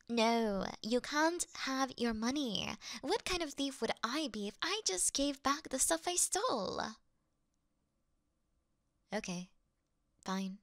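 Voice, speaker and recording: Woman acting as timid girl thief faking toughness, slow-paced, stammering, pouty, close dry sound, ASMR roleplay. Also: high voice, a bit bright, no room sound, heavily acted. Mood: pouty, defensive. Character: clumsy, easily scared young female dungeon thief acting tough.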